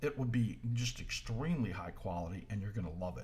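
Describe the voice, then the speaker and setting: With audible room echo, a somewhat breathy man speaks at a fairly quick pace and medium pitch, his intonation lively. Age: 60s. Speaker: market analyst and trader coach. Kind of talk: market analysis video commentary. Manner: halting, many fillers.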